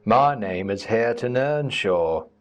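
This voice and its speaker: A surly, rough young farmhand, as a male reader puts him on. He growls his words slowly in a lowish voice, with guitar under the reading. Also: expressive. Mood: growling. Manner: growled, slow.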